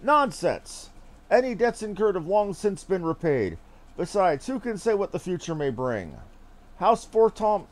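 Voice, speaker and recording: Guy playing a big-hearted courtly knight in a fantasy game, effusive, formal, pitched up and really animated. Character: hearty, gracious knightly lord, an effusive welcoming host. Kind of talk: theatrical read-aloud of fantasy game dialogue.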